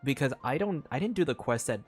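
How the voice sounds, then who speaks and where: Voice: mid-range voice, expressive, fast talker. A game streamer giving casual, reactive playthrough commentary, thinking aloud and reading game text. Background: game music.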